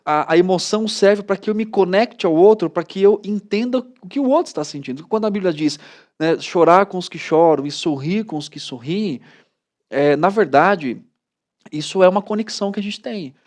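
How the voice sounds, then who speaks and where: This high-voiced pastor, a man in his thirties with a Brazilian Portuguese accent, talks at a moderate pace. In a relaxed studio chat, he spins lively stories and keeps adding "né."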